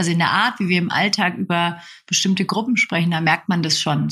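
In a very clean recording with a silent background, a woman with a fairly low pitch and a bright, sharp tone speaks at a moderate pace with ordinary pitch variation. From Germany, Nuremberg. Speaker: journalist and author. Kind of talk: interview.

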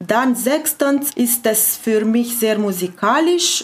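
A woman's somewhat breathy voice. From Transylvania, Romania (German-speaking minority). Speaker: playwright, journalist and translator. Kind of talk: casual discussion. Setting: remote call.

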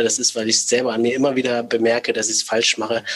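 Monotone, flat intonation marks a man speaking at a medium pitch. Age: 30s. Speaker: kidney transplant patient. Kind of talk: interview. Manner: halting.

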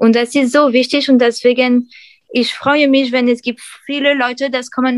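A woman with a French accent talks at a moderate pace. Her pitch is high and her intonation fairly even. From France. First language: French (speaking German). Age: 30s. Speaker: painter. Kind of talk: interview. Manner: halting.

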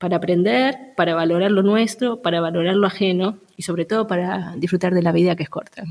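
In an Argentine accent, the speaker goes at a moderate pace with ordinary pitch variation. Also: woman. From Argentina, Buenos Aires. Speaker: tour guide and art historian. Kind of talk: interview. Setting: in person, same room as host.

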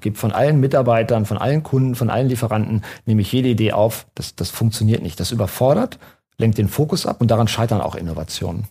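A man speaks at a fairly quick pace in a somewhat breathy, medium-pitched voice with a dark, mellow tone and ordinary pitch variation, in a very clean recording with a silent background. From Germany, Hannover. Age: 50s. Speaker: innovation consultant. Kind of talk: interview. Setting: venue in Hannover.

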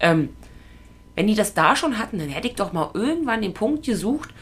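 A woman in an animated tone speaks at a moderate pace and a medium pitch. Her voice is somewhat breathy, with very wide pitch swings. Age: 20s. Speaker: podcast co-host. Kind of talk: casual chat.

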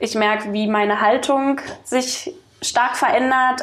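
Noticeable background noise runs through the clip. Over it, a woman speaks at a fairly high pitch. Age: 20s. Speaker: wheelchair user, young mother. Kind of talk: interview. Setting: at home, living room.

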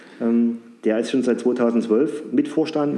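A man speaks with vocal fry. His tone is dark and mellow. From Saxony, Meißen. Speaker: IT company executive. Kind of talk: interview.

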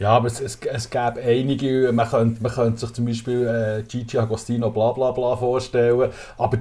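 At a moderate pace, a man speaks at a medium pitch in a dark, mellow tone that is somewhat breathy. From Switzerland, Zurich area. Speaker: city councillor and club DJ. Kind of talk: casual interview.

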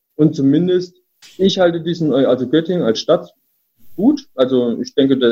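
Lively intonation marks a man's fairly slow speech. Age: 20s. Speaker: private investor in peer-to-peer loans. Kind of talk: casual podcast interview. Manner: hesitant, many filler sounds.

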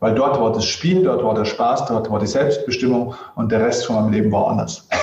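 Amid noticeable background noise and audible room echo, a man of medium pitch talks at a fairly quick pace with ordinary pitch variation. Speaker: motivational speaker and former pro tennis player. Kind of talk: interview. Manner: quiet and intense; calm.

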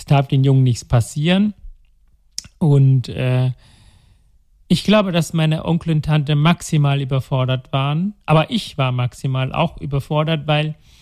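A man talks at a fairly slow pace with a fairly high pitch, leaving long, frequent pauses. The sound is dry and close, with no echo. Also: ordinary pitch variation. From Sri Lanka. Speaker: heart surgeon and author. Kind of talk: interview, personal life story.

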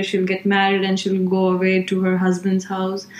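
A woman with an Indian accent talks over noticeable background noise. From India, Gujarat. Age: 20s. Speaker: graduate student. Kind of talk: casual chat. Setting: sitting on kitchen floor at home.

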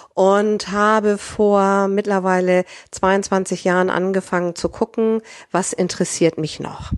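A woman talks at a very slow pace. Her intonation stays monotone and flat. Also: medium pitch for a woman. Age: 50s. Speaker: mediator and practice consultant. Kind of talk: interview storytelling.

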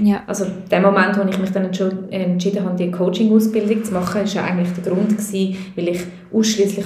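In a Zurich accent, the speaker rushes at a very fast pace with monotone, flat intonation, audible room echo and noticeable background noise. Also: woman. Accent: Zurich Swiss German. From Switzerland, Zurich. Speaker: life coach. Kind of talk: interview about personal experience. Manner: halting, many fillers.

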